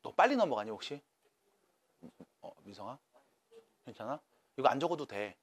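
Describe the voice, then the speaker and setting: A man's voice: mid-range voice, sing-song, moderate pace, breathy edge. A man teaching a math class to students, coaxing and checking in with them by name.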